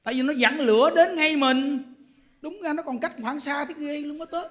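A Buddhist monk giving an animated, teasing Dharma talk, full of rhetorical questions. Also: male voice, extremely high pitch, fairly quick.

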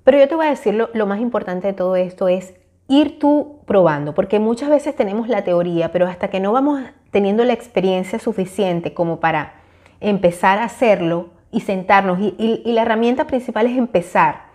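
A woman's voice: mid-range voice, brisk, darkish tone. A woman, talking to camera on a lapel mic in a small room, earnest and encouraging with frequent hesitations. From Venezuela. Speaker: YouTuber. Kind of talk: casual talk to camera.

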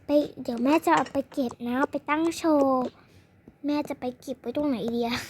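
A child voicing a gentle, doting mother of two girls, coaxing and scolding softly in a pretend play. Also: high-pitched, steady tone, a little fast, noisy background, natural voice.

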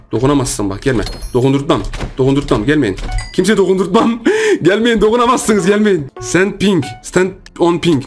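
A young man giving excited, playful commentary while playing a video game, often repeating words rapidly, with faint music behind. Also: mid-range voice. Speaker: gaming YouTuber.

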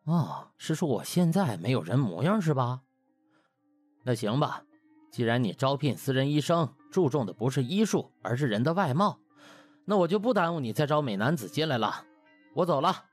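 Wronged young doctor acted by a man, comic audiobook, animated and complaining, rough-edged, music underneath. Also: mid-range voice, moderate pace. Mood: offended. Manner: indignant, complaining. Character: aggrieved, cheeky young male doctor protesting loudly.

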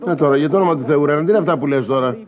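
A man's voice: fairly high pitch, natural voice. An actor playing a battered, whiny husband who sulks in pain and pleads with his wife, in a TV sitcom. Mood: plaintive. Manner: plaintive and pleading, with sudden yelps of pain. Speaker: actor in a TV comedy series. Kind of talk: sitcom acting. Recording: dull broadcast audio with background noise.

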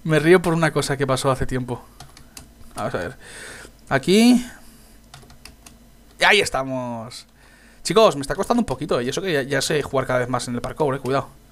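A young man giving excitable gameplay commentary, yelping and laughing when he falls. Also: mid-range voice, a little fast, long pauses. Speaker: Minecraft let's player.

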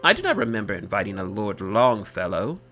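A man's voice: on the low side, sing-song, fairly quick, music in the background. Man playing a haughty young baron. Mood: puzzled, haughty. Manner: haughty, indignant. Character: selfish, haughty young male baron, vain and indignant.

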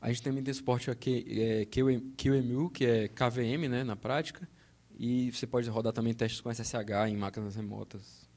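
A warm-toned man with a Brazilian Portuguese accent delivers a step-by-step technical talk and live demo from a conference stage, checking in often along the way. His medium-pitched voice moves little and keeps a moderate pace, picked up by a handheld mic and then a podium mic.

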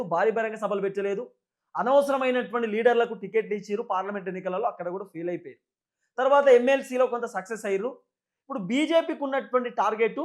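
Male political commentator, Telangana Telugu accent, very high voice, rapid delivery, emphatic and repetitive explaining. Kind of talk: unscripted political news commentary.

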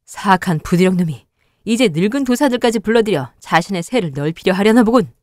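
A woman's voice: medium pitch, expressive, fairly quick, a little mellow, no room sound, studio quality, natural voice. A woman voicing a proud, defiant woman in black with a stern, dignified manner.

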